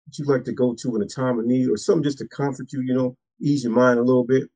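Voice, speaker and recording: A husky-voiced man hosts a faith interview as a minister, with a preacher's cadence and a steady stream of amens. The sound is dry and close, with no room around it. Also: medium pitch, quick pace, dry recording, low-quality recording.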